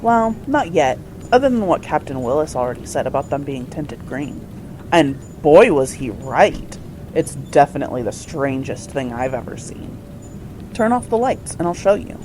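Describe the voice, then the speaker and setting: A woman's voice: deep voice, big pitch swings, normal speed, noisy background. A woman playing an inquisitive, wry young scientist daughter in an amateur radio drama. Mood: curious, wry.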